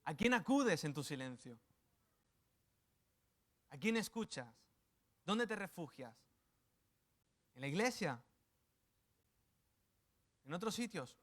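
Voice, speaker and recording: A man's voice: fairly high pitch, very animated, slow, pauses often. A man from Spain preaching a sermon, with playful asides and acted quotes. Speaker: pastor.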